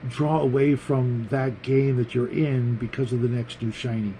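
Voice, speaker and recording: A man with a dark, mellow voice at a middle pitch hosts a casual tabletop gaming show. He talks to viewers in a rambling, halting way, repeating words as he thinks aloud. A faint noise sits behind his voice. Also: steady tone.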